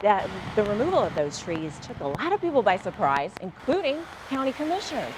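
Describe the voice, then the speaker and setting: A woman's voice: mid-range voice, sing-song, brisk, noisy background. A woman anchoring morning news, mixing read stories with playful, casual banter aimed straight at listeners. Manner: conversational, playful, addresses listeners directly.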